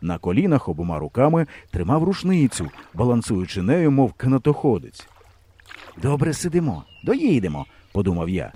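A man narrating a storybook in a lively, expressive way. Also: lowish voice, brisk, few pauses, husky. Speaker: audiobook narrator. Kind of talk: storybook reading.

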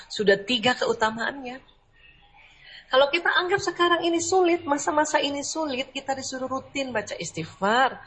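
A woman's voice: a little high, fairly bright tone, breathy edge. A middle-aged woman giving an Islamic lecture, asking her listeners questions and answering them herself. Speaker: preacher.

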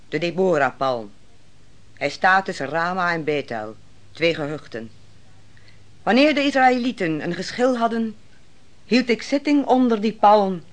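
A woman playing an authoritative, composed judge and leader in a radio play, speaking formally and deliberately. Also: lowish voice. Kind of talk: Dutch radio play acting.

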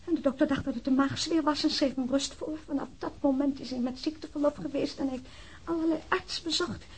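An actress playing a bewildered, indignant new widow in a radio drama, halting yet insistent. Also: female voice, high voice, steady tone, natural voice. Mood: weary recounting. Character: bewildered, indignant newly widowed wife of a policeman. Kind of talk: naturalistic radio drama acting.

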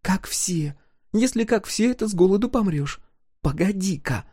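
A man doing a sharp-tongued peasant woman. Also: sits high, animated, slightly rough, no room sound, studio quality, voice pushed up, heavily acted. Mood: scheming. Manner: brisk scolding whisper.

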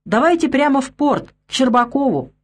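Woman reading as a hoarse old sea captain. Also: high-pitched, big pitch swings, normal speed. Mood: gruff. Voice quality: hoarse, rasping. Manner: curt, commanding. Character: gruff hoarse older male Arctic sea captain.

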